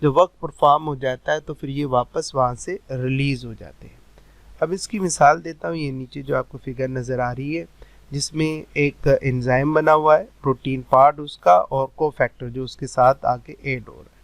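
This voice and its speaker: A man teaching a biology lecture, mixing Hindi-with slowly read English textbook lines and answering his own questions. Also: mid-range voice, steady tone, gravelly, no room sound, poor audio. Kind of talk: recorded lecture over animations.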